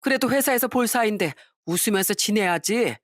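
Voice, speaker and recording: A pushy older office boss wheedles and begs his way out of trouble, as a woman acts him out. The voice is medium in pitch, recorded dry and close. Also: expressive, fairly quick, dry recording, close to an everyday voice. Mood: pleading. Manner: wheedling, excusing himself.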